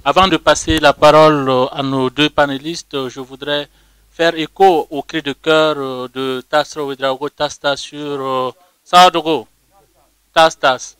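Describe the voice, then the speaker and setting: A man with a West African French accent formally moderating a panel in halting, measured phrases. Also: fairly high pitch, fairly even intonation, a bit bright, clean tone, no room sound.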